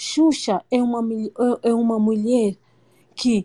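A woman with a Mozambican accent speaks at a fairly high pitch in a dark, mellow tone, the sound dry and close with no echo. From Mozambique. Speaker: listener caller. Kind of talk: casual chat. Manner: animated.

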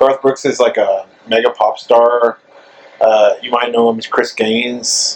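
A man talks at a fairly slow pace while noticeable background noise continues. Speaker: podcast host. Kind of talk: casual interview chat. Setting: late at night, roadside.

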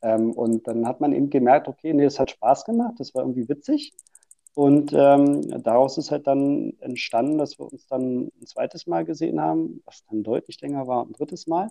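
A man speaks with a dark, mellow tone and lively intonation, his loudness swinging widely. The sound is dry and close, with no echo. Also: fairly high pitch for a man, moderate pace. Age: 40s. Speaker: podcast guest. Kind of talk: casual chat. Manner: hesitant, many fillers.

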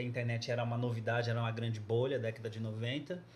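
The voice belongs to a man and is somewhat breathy. Room echo is audible. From São Paulo, south zone (Capão Redondo). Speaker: entrepreneur, digital bank founder. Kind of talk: casual interview chat.

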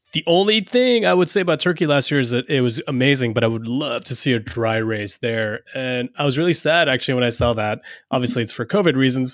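A man with a slight French accent, in a dry, close sound with no echo. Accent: near-American English, little French. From France. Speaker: podcast host. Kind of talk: casual chat. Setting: remote call.

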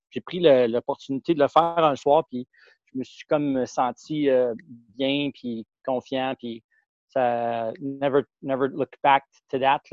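Very slowly, a man with a Quebec accent speaks at a fairly high pitch, with ordinary pitch variation. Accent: Québécois French. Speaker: podcast co-host. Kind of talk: casual chat.

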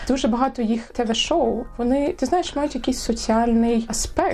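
A woman's fairly high-pitched voice at a moderate pace, with music in the background. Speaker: journalist. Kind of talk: casual chat. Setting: studio. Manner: animated.

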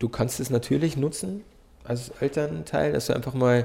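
A man speaks with a medium pitch and ordinary pitch variation. His tone is dark and mellow. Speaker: professional footballer, team captain. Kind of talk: podcast interview.

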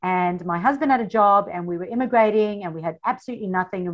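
A woman with a South African accent talks at a very fast pace with ordinary pitch variation. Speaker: Facebook marketing strategist. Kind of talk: interview.

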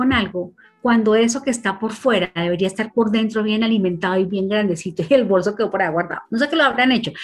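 A woman talks at a fairly quick pace with a Colombian accent, her pitch fairly high and her intonation lively. Music plays in the background. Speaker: personal development speaker. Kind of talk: casual radio interview.

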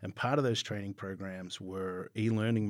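Recorded very cleanly against a silent background, a man with an Australian accent speaks at a fairly low pitch and a fairly quick pace, his intonation fairly even. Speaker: video production business owner. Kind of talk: casual interview chat.

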